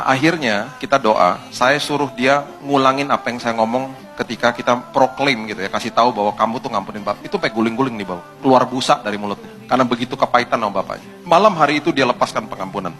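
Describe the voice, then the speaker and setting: A male pastor preaching a storytelling sermon in a lively, conversational way, full of rhetorical questions. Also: mid-range voice, quick pace, faint music behind.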